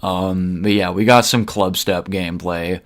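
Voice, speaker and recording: A man's voice: deep voice, steady tone. A young man chatting casually to his stream while gaming, rambling and restarting his sentences. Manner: rambling, halting, with repeated restarts.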